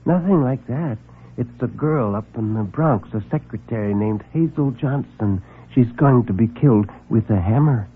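A man voicing a tiny, nervous, apologetic man who hesitates and stammers softly. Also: mid-range voice, lively intonation, moderate pace, phone-quality sound, slight background noise, natural voice. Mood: timid.

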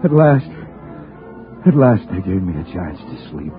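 A man's voice: sits low, very animated, a little slow. An actor playing a frantic young man accused of murder, stammering and pleading in a 1940s radio drama. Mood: weary. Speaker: lead character and narrator. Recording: tinny old radio broadcast with music.

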